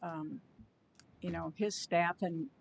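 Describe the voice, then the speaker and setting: Measured woman commissioner. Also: lowish voice, fairly even intonation, gravelly, slight background noise. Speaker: county commissioner. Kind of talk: official remarks at a public meeting. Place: county board meeting chamber.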